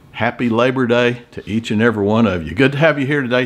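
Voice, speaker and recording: A medium-pitched man with a Texas accent. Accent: Texas drawl. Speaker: car restoration YouTuber. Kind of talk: casual chat.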